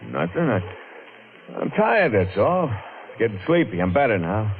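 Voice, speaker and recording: An actor in old-time radio horror playing a tired, haunted driver, nervous, evasive and prone to stammering. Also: male voice, fairly low pitch, big pitch swings, unhurried. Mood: drowsy, evasive. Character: tired, jittery, guilt-haunted male driver. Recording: very tinny, noisy old radio recording.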